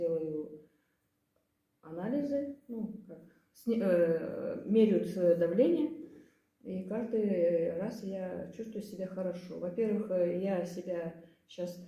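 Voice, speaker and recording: A woman at medium pitch and a very slow pace, with long, frequent pauses, ordinary pitch variation, big swings in loudness and audible room echo. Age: 60s. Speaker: customer giving a health testimonial. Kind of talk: testimony. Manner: halting, many filler sounds.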